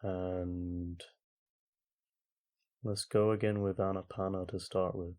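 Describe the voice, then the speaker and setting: A man with a fairly low voice guides a meditation. His delivery is very slow and flat in melody, with long gaps between gentle instructions. He sounds like a calm teacher talking a group through their practice.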